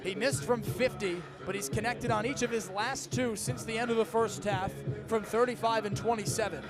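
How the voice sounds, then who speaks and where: A man's voice: high voice, fairly even intonation, moderate pace, over music. A young American man calling live football play-by-play in an emphatic, dramatic way. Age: young adult. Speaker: sports play-by-play announcer. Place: stadium football broadcast.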